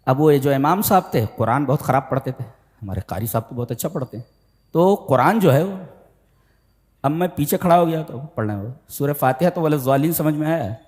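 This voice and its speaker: Animated male Quran commentator, reverberant hall. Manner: recites Arabic verses in a slow chant; animated, with sudden emphatic high bursts.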